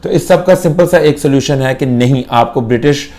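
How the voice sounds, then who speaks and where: A young Pakistani IELTS instructor gives a lesson to camera, mixing Urdu with English and repeating key points for emphasis. His mid-range voice is brisk with a dark tone.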